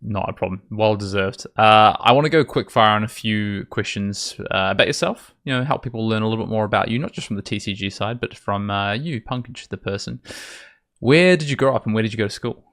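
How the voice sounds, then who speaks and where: A man's voice: lowish voice, a little fast, a bit bright. A man in his thirties hosting a casual interview over a video call, feeling his way through his questions. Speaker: podcast host, interviewer. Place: home bedroom, indoors.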